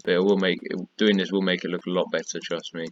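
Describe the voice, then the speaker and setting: A man's voice: deep voice, little pitch movement, fast talker, dull audio, background noise. A man with a tired, fading voice, casually talking through a block-building tutorial while he works, counting and pointing things out over and over. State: tired, losing his voice. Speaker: gaming tutorial creator.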